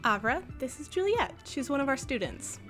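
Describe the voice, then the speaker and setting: A woman's voice: sits high, sing-song, normal speed, fairly bright tone, faint music behind. A woman playing a gracious, encouraging school leader in an audio drama, speaking politely and rather formally.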